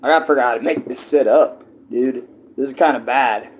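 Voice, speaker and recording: A man's voice: mid-range voice, normal speed, a little hiss or hum. A young man vlogging from home with a tablet mic, rambling casually with lots of fillers, his voice a little froggy. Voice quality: froggy voice at times. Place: at home, in a kitchen. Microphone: tablet propped up nearby.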